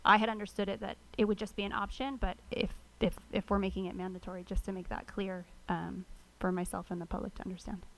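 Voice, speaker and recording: An American woman speaks as a city council member in a public meeting. Her pitch sits in the middle range, and she words her remarks deliberately into a meeting microphone. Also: little pitch movement, fairly bright tone, poor audio.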